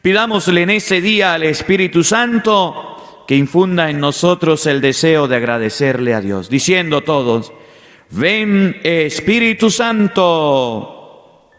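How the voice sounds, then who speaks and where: A man's voice: fairly high pitch, normal speed, a bit bright, in a large hall. A man who is a Catholic priest giving a daily Gospel sermon, speaking emphatically and with repetition, addressing his listeners in a fatherly way.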